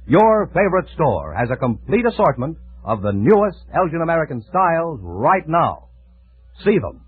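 Male announcer, old-time radio, swooping animated pitch, polished and emphatic sponsor reads, narrow tinny band. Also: normal speed, breathy edge, dry recording. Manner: polished, emphatic salesman delivery. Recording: tinny band-limited old radio broadcast, faint music.

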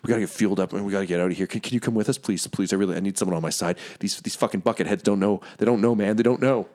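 A man doing a wired, sleepless soldier who stumbles over his words and says everything twice. His voice sits a little low but keeps jumping up in fits of panic, and his talk is rushed and shaky. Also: darkish tone, natural voice. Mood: frantic. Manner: stammering, panicky, repeats himself. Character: frantic, jittery male soldier on stimulants.

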